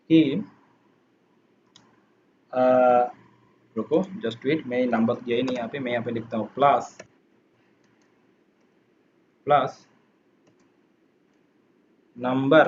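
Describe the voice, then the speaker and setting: A man teaching a programming class, talking patiently and repeating steps as he types code, with a dull lo-fi sound and faint noise. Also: on the high side. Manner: patient, repeats and rephrases while explaining. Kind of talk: coding lesson walkthrough.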